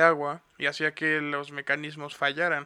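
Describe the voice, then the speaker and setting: With a bright, sharp tone and a fairly high pitch, a man talks at a fairly slow pace. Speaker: podcast host. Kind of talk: casual chat.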